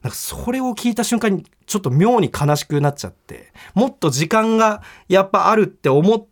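On his radio talk show, a comedian tells a personal story in a casual way, acting out the voices of the people involved. His voice is high-pitched and fairly quick, and his animated delivery is captured on a studio microphone.

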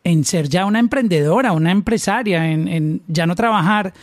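A man's voice: high voice, moderate pace, no echo, clean studio sound. A Colombian man hosting a casual interview, chatty and joking about his own pronunciation. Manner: chatty, reads out a long list of names, jokes about his pronunciation. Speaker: interview host.

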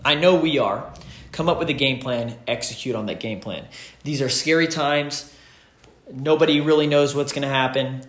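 In a mid-range voice at normal speed, the gym owner and fitness business host offers his peers sincere, casual motivation, stressing and repeating the key phrases. He stands under a roof at his home gym outdoors while a rainstorm falls, and the echoey recording picks up rain drumming overhead.

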